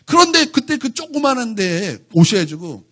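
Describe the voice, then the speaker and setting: A man preaching a sermon in church, his voice husky and set fairly high for a man. He swings his pitch widely as he fires question after question at the congregation. The delivery is lively and conversational rather than solemn. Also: normal speed. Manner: animated, keeps asking the congregation questions. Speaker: pastor.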